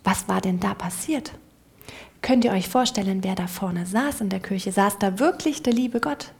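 A woman telling a children's story in church, lively and often dropping to a hushed whisper. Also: medium pitch, moderate pace, creaky.

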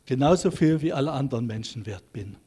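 A man's voice: mid-range voice, expressive, quick pace, warm tone, breathy edge, pitched below the performer's own voice. A man voicing a determined young boy with a leg brace, speaking firmly and insistently in a sermon story. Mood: earnest. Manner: firm, insistent.

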